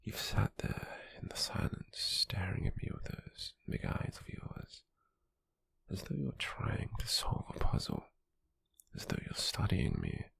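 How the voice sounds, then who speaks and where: Man acting a husky, whispering British slave merchant. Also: deep voice, huge pitch swings, fairly bright tone, no room sound, full character voice. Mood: curious, menacing. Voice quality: husky, breathy, gravelly. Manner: slow, deliberate, with lingering pauses. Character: possessive, calculating male slave merchant, smugly controlling. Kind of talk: ASMR roleplay, hushed close whispering.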